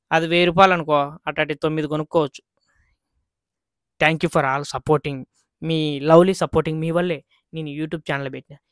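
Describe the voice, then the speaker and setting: A man's voice: fairly high pitch, a bit bright, smooth, dry recording, studio quality. A man vlogging in a casual, earnest way, chatting straight to his viewers.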